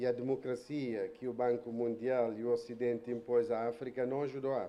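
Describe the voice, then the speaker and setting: Medium in pitch with fairly even intonation, a man speaks in a dark, mellow tone. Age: 40s. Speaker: writer. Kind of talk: panel discussion.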